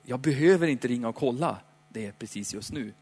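A man preaching a sermon in a chatty, playful way, slowing down for dramatic emphasis. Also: mid-range voice, expressive, a little mellow. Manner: conversational, dramatic slowdowns, playful asides. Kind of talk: lively sermon. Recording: hall reverb.

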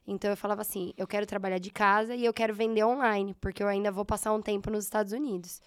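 A slightly hoarse woman in her thirties with a Brazilian accent, telling her story in a casual interview and acting out her past thoughts. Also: medium pitch, fairly even intonation, fast talker, no room sound, clean studio sound. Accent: Brazilian Portuguese. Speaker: guest, entrepreneur.

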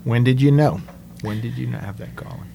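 A man's voice: medium pitch, fairly quick, creaky, mellow, slight background noise. A man hosting a Catholic radio show, friendly and encouraging, with brief interjections.

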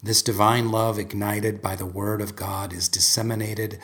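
Deep-voiced earnest male host. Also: level tone, moderate pace, fairly bright tone. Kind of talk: podcast conversation with a read passage.

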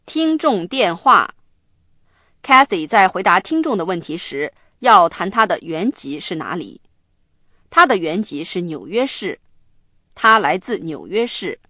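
Female lesson host; clear, careful instruction, dry studio sound. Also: on the low side, pushed and bright, no echo. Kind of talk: explaining English to Chinese learners.

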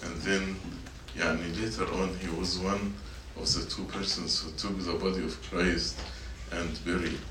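A man's voice: sits low, level tone, a little slow, hardly any pauses. A man teaching a sermon to middle schoolers, repeating his points and asking the students questions. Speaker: church youth teacher. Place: church meeting room. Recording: echoey room, mic at a distance, faint noise.

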